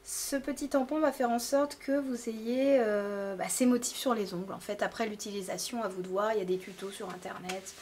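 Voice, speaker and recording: A woman's voice: medium pitch, steady tone, moderate pace, few pauses, a little mellow, a little hiss or hum. A woman chatting casually to camera about beauty products, hesitant and full of fillers. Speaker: beauty vlogger. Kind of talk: casual product haul talk.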